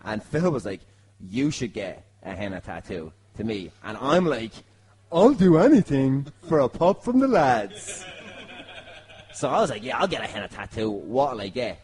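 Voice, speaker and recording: An Irish man hosting a podcast, telling a comic story to friends in a sweary, animated way. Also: mid-range voice, normal speed. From Ireland. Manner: animated, sweary, punctuated by laughter. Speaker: podcast host. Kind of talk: comic anecdote among friends.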